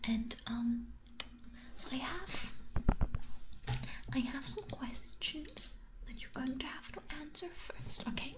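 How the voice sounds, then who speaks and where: A woman playing a condescending, suspicious AI age-checker that feigns friendliness, whispering haltingly in an ASMR roleplay. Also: high-pitched, lively intonation. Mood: officious.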